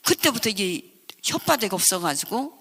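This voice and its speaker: A woman's voice: mid-range voice, very animated, moderate pace, fairly bright tone. An older woman with a Chungcheong accent telling an emotional personal story, acting out family voices as she goes. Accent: Chungcheong Korean. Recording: reverberant hall.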